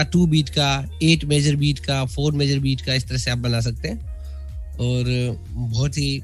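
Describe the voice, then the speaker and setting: Man explaining keyboards in a lesson. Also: medium pitch. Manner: explains step by step, many fillers and restarts. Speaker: online music trainer. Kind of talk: spoken online lesson.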